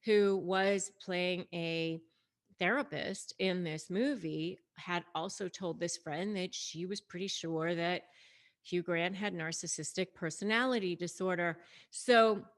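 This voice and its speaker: A woman with a slightly low voice talks directly to her audience as a coach and video host. She explains things conversationally, stressing key points as she gives advice. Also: steady tone, unhurried. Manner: conversational, emphatic, addresses viewers directly. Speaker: online negotiation coach and host. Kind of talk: explanatory video talk to camera, retelling and advising.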